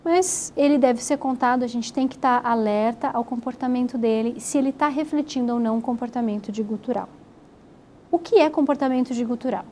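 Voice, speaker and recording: Woman teacher, patient and explanatory; somewhat high, soft mellow timbre. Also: a little hiss or hum. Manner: patient, explanatory, spells out syllables slowly. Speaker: Hebrew teacher. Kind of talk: recorded grammar lesson.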